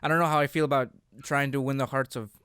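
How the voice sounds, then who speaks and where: A man's voice: mid-range voice, steady tone, fast talker, a bit bright, clear, resonant tone, dry recording, studio quality. A man co-hosting a casual podcast chat, talking hesitantly and often searching for his words. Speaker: podcast co-host.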